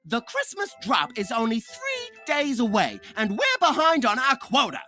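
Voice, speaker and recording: A man voicing a small, irritable Christmas elf worker, exasperated and animated, in a cartoon style. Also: very high voice, moderate pace, faint music behind, heavily acted. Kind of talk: cartoon character demo.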